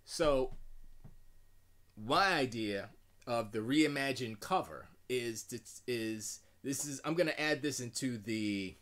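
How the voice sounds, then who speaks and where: A middle-aged man with a deep voice, chatting casually and rambling in a self-deprecating way while streaming from his home music studio. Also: expressive, slow, a bit bright. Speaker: music producer streaming live. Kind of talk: casual live-stream chat.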